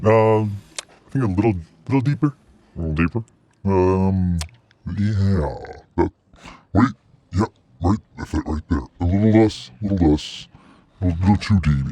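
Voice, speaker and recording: A man through a deep demon voice filter. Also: dark tone, no room sound, exaggerated voice. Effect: deep demon voice-changer filter. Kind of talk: reading a news item aloud.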